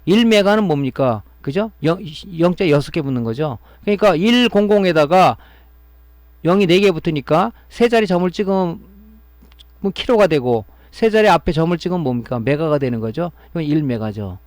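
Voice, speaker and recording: Male instructor, step-by-step technical lecture with frequent check-in questions, fairly high voice, dry close sound. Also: animated, moderate pace, a little mellow, no room sound. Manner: explaining step by step, often adding a tag question to check understanding. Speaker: electronics repair instructor. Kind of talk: classroom-style technical lecture.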